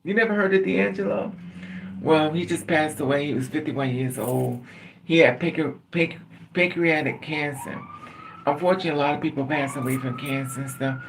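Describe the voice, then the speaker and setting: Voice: mid-range voice, moderate pace, slight background noise. A middle-aged livestream host chatting casually and candidly with viewers, laughing often and calling on them by name.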